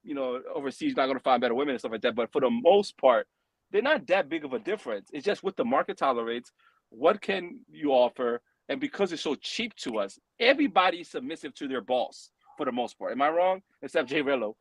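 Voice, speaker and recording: A man chatting casually as a podcast panelist, telling stories with animated, emphatic delivery. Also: mid-range voice, brisk, slightly rough, no echo, rough recording. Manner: animated, emphatic storytelling with rising exclamations. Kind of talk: casual opinionated chat.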